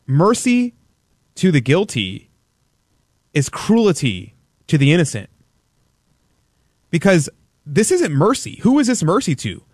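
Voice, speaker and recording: A man's voice: fairly high pitch, big pitch swings, takes it slowly, pauses often, husky, no echo. Emphatic, indignant male radio host. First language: English. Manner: emphatic, indignant, rhetorical questions. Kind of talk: opinionated talk radio commentary.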